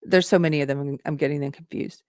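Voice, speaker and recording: A woman's voice: low voice, fairly even intonation, fast, a little mellow, no room sound, clean studio sound. A woman hosting a casual commentary show, thinking aloud with restarts and reading posts aloud as she comments on them. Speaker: host.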